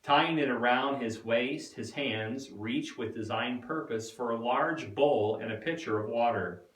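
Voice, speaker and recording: A man giving a dramatic scripted narration with deliberate, expressive storytelling. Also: mid-range voice. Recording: echoey room, distant mic.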